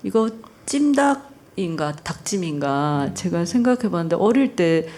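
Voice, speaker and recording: A woman poet, reading a poem aloud and chatting on a literary radio show in a soft, unhurried way. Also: on the low side, animated. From North Gyeongsang, Korea. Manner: soft, unhurried, gentle laughs. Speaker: guest poet. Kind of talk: poetry reading and radio chat. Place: public radio broadcast stage.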